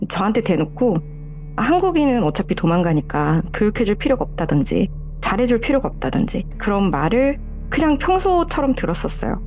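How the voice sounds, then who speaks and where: A woman telling her own true story in a soft, mellow voice. Her pitch rises and falls a lot as she recounts it, yet her delivery stays calm and measured, like a caller on a show. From South Korea. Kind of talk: first-person horror story narration.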